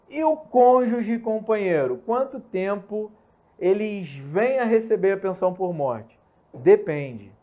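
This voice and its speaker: High-voiced Brazilian man teaching energetically. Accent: Brazilian Portuguese. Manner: energetic, repeats key points, checks in often with quick questions. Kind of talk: recorded online law lesson. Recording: slightly muffled lo-fi recording.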